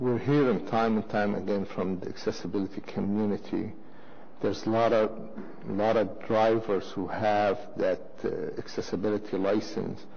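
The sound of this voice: A man talks at a moderate pace with fairly even intonation. His voice is fairly low and shows vocal fry.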